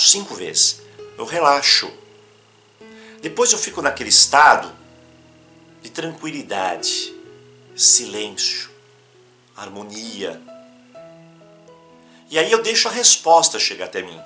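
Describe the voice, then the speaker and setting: Brazilian man, self-help teacher, lively bright voice, faint guitar behind. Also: medium pitch. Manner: animated, emphatic, breaks into demonstrations. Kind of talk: instructional talk to camera.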